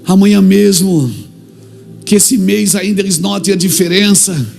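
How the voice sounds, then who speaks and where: High gravelly preacher. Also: male voice, fairly even intonation, measured pace, soft background music. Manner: fervent preaching, acting out dialogues, building to shouts. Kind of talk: sermon.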